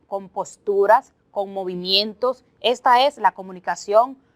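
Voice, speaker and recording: A woman teacher, explaining a lesson slowly and carefully, listing terms one by one and working through examples. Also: medium pitch, dry recording, studio quality. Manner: slow, deliberate explaining with lists and examples. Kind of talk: televised remote class.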